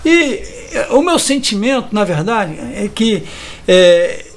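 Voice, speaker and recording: A man's voice: high voice, big pitch swings, takes it slowly. A man, giving an indignant interview testimony and often ending sentences with a question tag. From Brazil. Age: 50s. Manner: hesitant restarts. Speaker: community resident interviewed about evictions.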